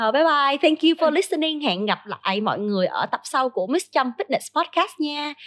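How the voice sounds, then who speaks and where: The pitch swings very widely at a moderate pace, with hardly any pauses. The sound is dry and close, with no echo. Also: woman, high pitch for a woman. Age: 20s. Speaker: fitness coach and podcast host. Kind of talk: casual podcast chat.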